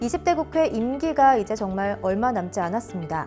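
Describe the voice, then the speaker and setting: With music in the background, a woman speaks at a fairly high pitch, her voice swinging very widely in pitch. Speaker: announcer / program host. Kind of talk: TV news program presenting.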